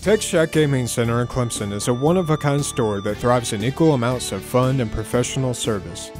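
A young man delivers scripted radio spots in a medium-pitched announcer's read. Clear music plays behind him. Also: fairly quick. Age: young adult. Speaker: media student and radio announcer. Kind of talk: scripted radio commercial narration.

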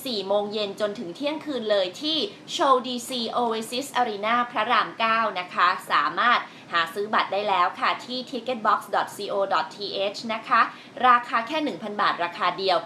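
A woman's voice: fairly high pitch, normal speed, hardly any pauses, slight background noise. A woman radio DJ reading a ticket giveaway and its rules in a playful announcer style. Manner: lively announcer delivery, playful. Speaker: radio DJ co-host. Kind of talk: radio DJ promo read.

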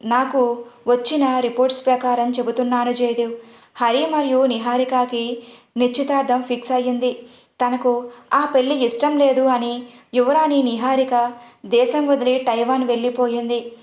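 A woman's voice: on the high side, little pitch movement, moderate pace, darkish tone, lightly acted. A woman voicing a dutiful male assistant reporting politely to his boss. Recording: roomy echo.

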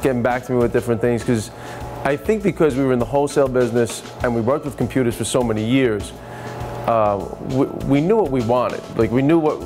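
A man in his forties, co-owner of a market and restaurant, talking in a relaxed, plain-spoken way in an indoor interview. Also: mid-range voice, brisk. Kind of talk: casual testimonial interview. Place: restaurant dining room, indoors. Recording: music playing underneath.

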